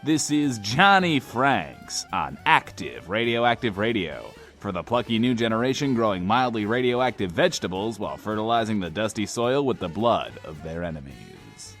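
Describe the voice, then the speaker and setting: Flamboyant wasteland radio host: lively pitch, grandiose and coy, playful audio drama delivery over faint music. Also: male voice, moderate pace, hardly any pauses. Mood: grandiose excitement. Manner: grandiose, coy, third-person self-reference. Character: vain, flamboyant post-apocalyptic bunker radio host, theatrical and playful.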